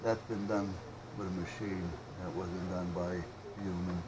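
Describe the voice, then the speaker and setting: A man chatting casually and rambling as he thinks out loud while doing hobby radio repair. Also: low-pitched, little pitch movement, measured pace. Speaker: hobbyist radio repairer showing his work. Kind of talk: casual unscripted vlog chat while working. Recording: clearly noisy hobby video recording.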